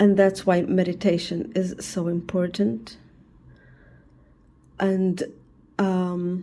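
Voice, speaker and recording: A woman with a non-native accent has a dark, mellow tone. She speaks at a very slow pace with long, frequent pauses. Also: medium pitch for a woman, ordinary pitch variation. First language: not English. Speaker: spiritual teacher. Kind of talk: explanatory talk. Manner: hesitant, many fillers.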